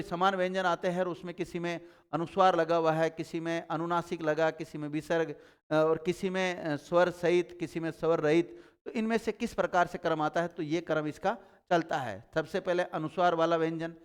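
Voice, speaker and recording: Smooth-voiced male grammar teacher. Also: on the high side. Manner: explains step by step, asks and answers his own questions. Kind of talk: classroom grammar lesson.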